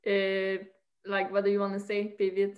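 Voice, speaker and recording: A woman's voice: medium pitch, monotone, measured pace, lo-fi sound. A woman with a Quebec French accent interviewing in a casual, encouraging way, dropping English slang into her French. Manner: supportive, encouraging.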